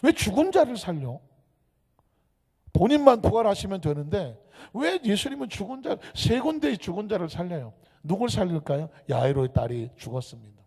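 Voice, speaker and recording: Male pastor preaching, high gravelly voice, hushes then calls out, gets the crowd repeating after him, echoey church hall. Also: sing-song, normal speed. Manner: dramatic, swings between hushed whispers and loud calls; leads the congregation in call-and-repeat. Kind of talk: sermon. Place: church sanctuary. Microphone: microphone.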